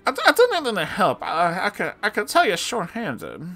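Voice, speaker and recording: A man acts out an erratic middle-aged oddball from a comic horror story. The voice is pushed well up high, halting and stammering, with a defensive edge. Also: huge pitch swings, gravelly, pushed and bright, exaggerated voice.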